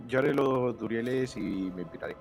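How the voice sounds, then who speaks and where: A man chatting casually with friends over a choppy, robotic low-quality voice chat stream. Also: normal speed, music in the background.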